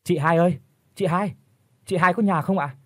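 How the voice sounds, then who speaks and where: A man's voice: mid-range voice, lively intonation, normal speed, dark tone, husky, no room sound. A man doing a shy, stammering young wife. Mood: calling out. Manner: hesitant, stammering.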